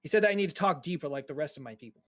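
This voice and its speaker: A man's voice: a little high, expressive, very fast, a bit bright. A man voicing a meek young male dwarf worker who stammers and apologizes, his voice lighter than other dwarves. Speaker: game master. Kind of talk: tabletop game role-play.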